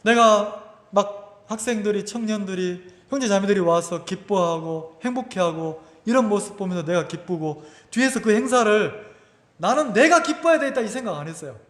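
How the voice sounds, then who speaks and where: Animated pastor preaching in echoey hall. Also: male voice, sits high, normal speed. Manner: animated, conversational preaching with rhetorical questions. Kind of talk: sermon. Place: church sanctuary.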